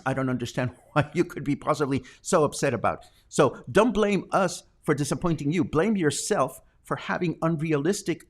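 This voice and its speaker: A man from Mexico hosting a daily live news stream, talking earnestly and defensively, with fillers and restarts. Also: on the high side.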